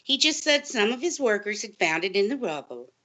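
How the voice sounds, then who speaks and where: Woman playing an intense, bright-voiced conspiratorial librarian. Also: mid-range voice, big pitch swings, fairly quick. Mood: suspenseful. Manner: dramatic, urgent, portentous. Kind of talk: scripted audio drama, suspenseful monologue.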